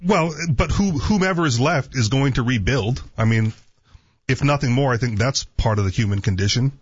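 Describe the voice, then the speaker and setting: Raspy, husky-voiced man on the radio. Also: mid-range voice, normal speed, dry recording. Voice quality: raspy, with a persistent cough. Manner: interrupts with repeated "wait a minute". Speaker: radio show host. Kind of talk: casual banter on air. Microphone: studio microphone. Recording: dull lo-fi broadcast audio.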